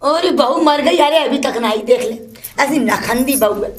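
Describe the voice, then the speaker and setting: A woman's voice: unhurried, crowd noise. A woman playing a nagging old mother-in-law. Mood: scolding. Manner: shrill, cursing, complaining nonstop. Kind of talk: solo comedy sketch.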